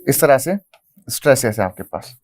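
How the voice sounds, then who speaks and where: An engineering lecturer with an Indian accent teaches a class at a whiteboard, mixing in English technical terms, repeating key phrases and asking the class questions he then answers himself. His mid-range voice is animated, and he speaks at a normal speed.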